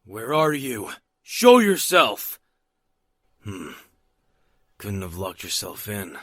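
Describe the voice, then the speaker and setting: A man's voice: on the low side, huge pitch swings, a bit bright, no echo, studio quality, exaggerated voice. Man playing an angry homeowner hunting an intruder. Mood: suspicious muttering. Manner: menacing, taunting, drawn-out calls. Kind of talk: audio drama acting.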